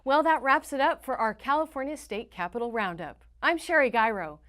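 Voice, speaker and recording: A woman's voice: high-pitched, animated, fairly quick, a bit bright. A woman with an American accent reading scripted news in a formal, emphatic newsreader delivery. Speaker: news reporter and anchor.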